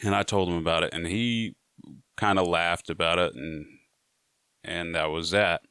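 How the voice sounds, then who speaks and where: A man's voice: sits low, fairly even intonation, moderate pace, sharp tone, clean tone, no room sound, studio quality. A man telling a prison story to his viewers in a casual, laid-back way, often saying "you know". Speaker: storyteller sharing prison stories.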